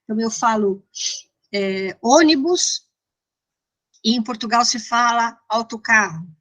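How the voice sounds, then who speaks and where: Higher-voiced São Paulo Brazilian woman lecturer. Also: measured pace, a bit bright. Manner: didactic, conversational, checks in with listeners. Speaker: university lecturer. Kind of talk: informal interactive lecture.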